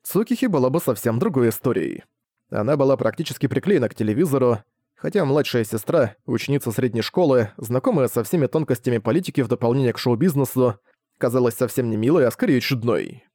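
A man narrating a novel with a mellow, warm tone and a measured, even delivery. He sounds close and dry, with no room around him. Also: mid-range voice, no room sound. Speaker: audiobook narrator. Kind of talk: reading a novel aloud.

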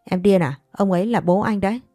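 A woman's voice: medium pitch, brisk, dark tone, no echo, studio quality, faint music behind, lightly acted. A woman reading the part of an exasperated man who scolds his secret lover. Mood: impatient.

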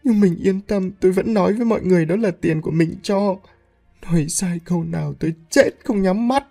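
Man playing a desperate wife in a storybook tale: high, stammering, begging. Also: fairly quick, creaky, dark tone, faint music behind. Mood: pleading. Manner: stammering, pleading. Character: frightened wife begging, tearful middle-aged woman.

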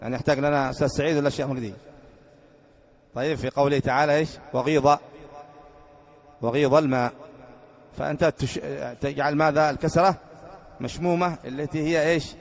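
A man's voice: fairly high pitch, steady tone, quick pace, pauses often. A man teaching a classroom grammar lesson, quizzing his students with repeated questions. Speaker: sheikh teaching Arabic grammar. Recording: muffled recording in a reverberant hall.

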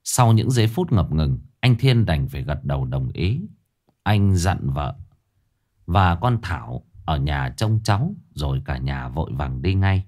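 A man narrating a ghost story in a dramatic, expressive storytelling manner. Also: low voice.

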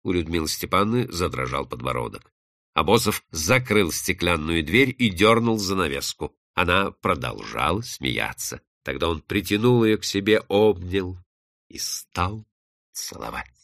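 A male audiobook narrator reads a classic detective story with expressive, dramatic storytelling. His voice sits low, yet the melody moves widely. The sound is dry and close, with no room around it. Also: unhurried, dry recording. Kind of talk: scripted literary narration.

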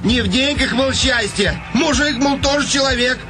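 A man's voice: very high voice, normal speed. An actor playing an alarmist, grumbling townsman in a satirical radio drama, indignant and agitated. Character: alarmist male townsman grumbling against literacy. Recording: music behind the voice.

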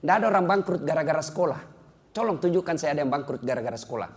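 A man preaching, giving a humorous religious lecture as an animated storyteller who jokes and chuckles often. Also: fairly high pitch, racing, long reverb tail.

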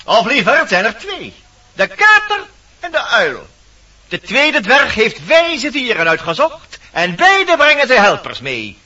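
A man's voice: extremely high pitch, wildly swooping pitch, measured pace, sharp tone, recorded from a distance, muffled recording, exaggerated voice. A man playing a fussy, scolding dwarf in a fairy-tale radio play, theatrical in manner. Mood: matter-of-fact, explaining.

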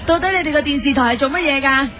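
A woman's voice: sits high, racing, bright, forceful tone, soft background music. A woman hosting a comic entertainment-news segment, asking teasing questions in a chirpy manner. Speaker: entertainment show presenter.

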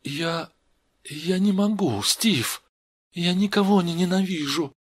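A man's voice: high-pitched, takes it slowly, husky, pitched above the performer's own voice, heavily acted. A man voicing a timid young woman who speaks hesitantly and tearfully.

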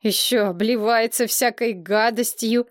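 A woman's voice: on the high side, fairly even intonation, measured pace, no room sound, clean studio sound, close to an everyday voice. A woman reading an audiobook, voicing a hot-headed boy prince who grumbles and defends himself. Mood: exasperated. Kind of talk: audiobook character voice.

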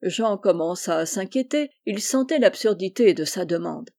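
A woman reading a classic novel aloud as an audiobook narrator, in clear, even storytelling. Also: mid-range voice, moderate pace. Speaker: audiobook reader.

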